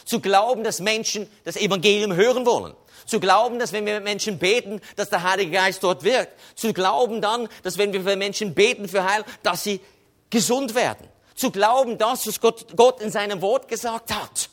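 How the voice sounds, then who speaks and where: Male preacher with a high voice, conversational and informal. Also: normal speed, a bit bright. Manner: conversational preaching, tags with "oder?". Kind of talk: sermon.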